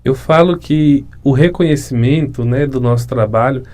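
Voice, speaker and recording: A man's voice: medium pitch, moderate pace, a little mellow. A man in his thirties with a Goiás Brazilian accent, answering interview questions earnestly and reflectively, often ending phrases with a tag question. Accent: Brazilian Portuguese, Goiás. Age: 30s. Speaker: municipal education secretary, guest.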